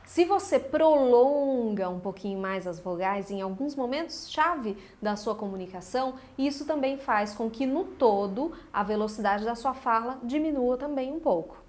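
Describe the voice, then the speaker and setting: A woman from Minas Gerais with a Mineiro accent, giving a lively, emphatic video lesson as a speech coach, with humorous asides. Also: fairly high pitch, normal speed, hardly any pauses. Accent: Mineiro Brazilian Portuguese. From Minas Gerais, Brazil.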